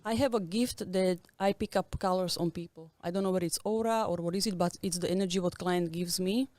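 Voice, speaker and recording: Guest spot: self-assured woman from Slovakia, lowish voice, dry close sound, laughs often. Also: fairly even intonation, fairly quick, darkish tone, dry recording. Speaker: tattoo artist guest. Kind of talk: casual interview talk.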